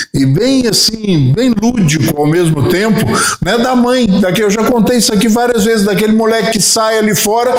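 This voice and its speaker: A man's voice: high-pitched, roomy sound, low-quality recording. A man with a Brazilian Portuguese accent giving a spiritist lecture, telling stories and acting out little dialogues. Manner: storytelling with acted-out dialogue.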